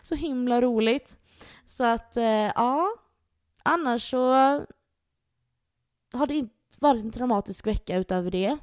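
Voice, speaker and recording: A young woman co-hosting a casual podcast chat, telling stories with plenty of swearing and lively retellings. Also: on the high side, long pauses, no echo, clean studio sound. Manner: storytelling, swearing, animated retellings. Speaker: podcast co-host.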